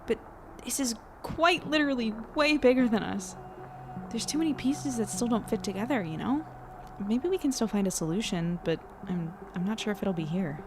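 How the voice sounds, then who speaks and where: Audio drama lead: worried young woman, introspective, creaky voice, faint background noise. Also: a little high, expressive, normal speed. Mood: troubled. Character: worried, insomniac young woman confiding her thoughts aloud. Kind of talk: audio drama narration and dialogue.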